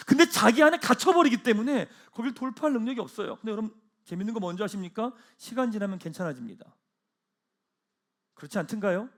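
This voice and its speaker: A man preaching a Sunday sermon as pastor, swinging between loud proclamations and hushed, low asides. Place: church sanctuary.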